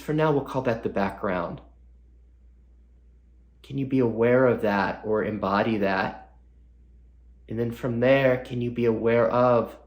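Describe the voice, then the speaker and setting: A man leading a guided meditation, talking slowly and softly, pausing often and asking gentle questions. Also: fairly low pitch, echoey room. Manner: slow, soft and unhurried, full of pauses and gentle questions. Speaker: meditation teacher.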